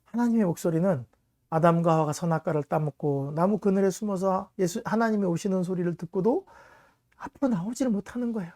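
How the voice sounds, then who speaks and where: A man's voice: high-pitched, fast, a little mellow, dry recording, clean studio sound. A middle-aged man preaches a sermon in a storytelling way. He tells a family story as a pastor and keeps speaking to his congregation directly.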